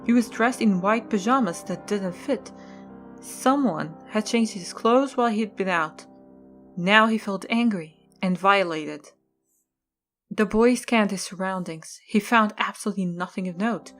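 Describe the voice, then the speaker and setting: A woman's voice: mid-range voice, unhurried, fairly bright tone, soft background music. A woman reading scripted narration as the narrator of an audio drama.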